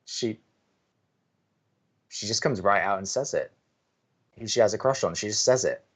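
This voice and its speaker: A man's voice: fairly low pitch, moderate pace, lightly acted. An actor playing a skeptical, guarded young man who co-hosts college radio in an audio drama, with a hesitant, wry way of talking. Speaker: college radio co-host and advice-giver. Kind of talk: naturalistic audio drama acting.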